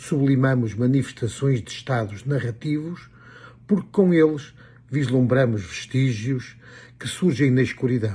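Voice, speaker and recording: A dark, mellow voice, somewhat breathy, moves at a fairly slow pace. Its pitch varies in an ordinary way. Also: man, medium pitch for a man. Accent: European Portuguese. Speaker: poet. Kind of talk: reading aloud.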